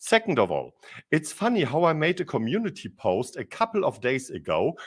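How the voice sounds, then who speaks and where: A man with a fairly high pitch talks at a moderate pace, with very wide pitch swings. Vocal fry runs through his voice. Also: very clean recording, silent background. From Germany. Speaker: YouTube commentator. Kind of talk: live stream commentary. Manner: rambling, hesitant with fillers.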